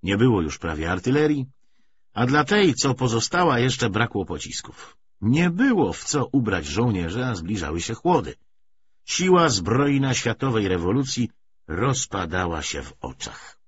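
A man's voice: unhurried, husky, dull audio. A man reading a historical novel aloud as an audiobook narrator, with dramatic expression. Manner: expressive, dramatic reading with wide pitch swings.

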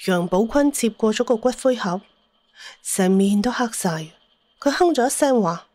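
A woman's voice: a little high, animated, moderate pace, a little mellow, dry recording. A woman narrating a scripted dramatic story as an audiobook narrator.

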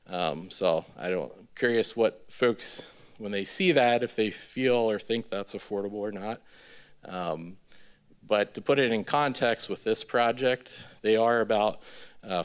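A man in his thirties giving an informal presentation as a developer, in a halting, hesitant way with many ums. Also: low voice. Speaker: real estate developer presenting a project. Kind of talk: informal public presentation with slides. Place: large indoor meeting room with seated audience. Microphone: podium gooseneck microphone.

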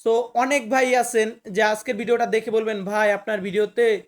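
A woman giving an online language lesson, greeting viewers and repeating each word slowly and clearly. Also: a little high, steady tone. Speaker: language teacher.

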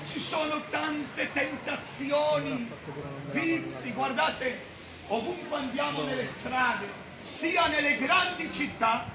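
High-voiced man preaching loudly in a street. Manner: loud, declaiming, gesturing with a Bible. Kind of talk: open-air street preaching. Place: busy town street outdoors. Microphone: far camera. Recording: echoey street with crowd noise. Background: crowd and passers-by.

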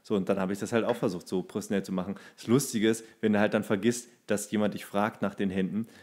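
A man's voice: on the low side, fairly even intonation, quick pace, a little mellow. A man in his thirties co-hosting a podcast, casually telling anecdotes and acting out quotes as he goes. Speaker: podcast co-host; actor.

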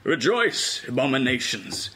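A man voicing a menacing, grandiose fanatic who hates machines, declaiming slowly and solemnly in a cartoon. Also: mid-range voice, very animated, sharp tone, slight background noise. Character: menacing robot-hating fanatic, grandiose doomsayer in a recording.

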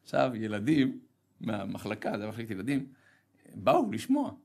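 Gravelly man telling a lively story. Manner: animated, humorous, self-deprecating storytelling; acts out dialogue with sharp pitch jumps. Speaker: rabbi giving a talk. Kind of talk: storytelling sermon.

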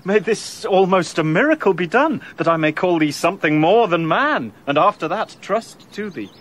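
Impassioned young prince, slightly high voice, earnest. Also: male voice, animated, normal speed, a bit bright. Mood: ardent. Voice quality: ardent, impassioned. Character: young male prince, ardent and anxious lover. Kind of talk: classic radio drama acting.

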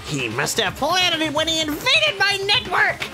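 A man's voice: very high voice, huge pitch swings, a little slow, heavily acted. A man voicing a gleeful, sadistic robot bear headmaster in a video game, in a gloating, sing-song way. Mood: furious. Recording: game audio over loud music.

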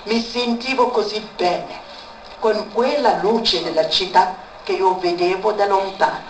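A woman's voice: medium pitch, measured pace. A woman giving an emotional spoken testimony, repeating words for emphasis. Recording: echoey room, far from mic, faint background noise.

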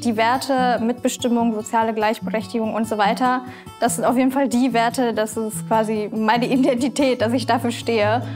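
A woman's voice: a little high, fairly even intonation, moderate pace, darkish tone. A woman in her twenties, a biochemistry student, answering interview questions casually in a studio. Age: 20s. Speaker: scholarship holder, biochemistry student. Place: studio against a colored backdrop. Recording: guitar music underneath.

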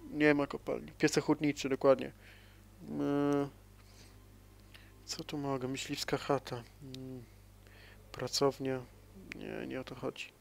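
A man commentating his own strategy gameplay, thinking aloud, addressing viewers and swinging between soft mumbling and sudden loud exclamations. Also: mid-range voice, dry recording. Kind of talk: casual let's-play commentary.

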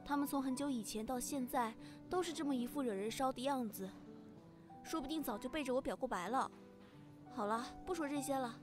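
A woman's voice: high-pitched, lightly acted. A young woman acting a caring, teasing younger sister in an audio drama. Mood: wry, teasing. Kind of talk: fan audio drama dialogue.

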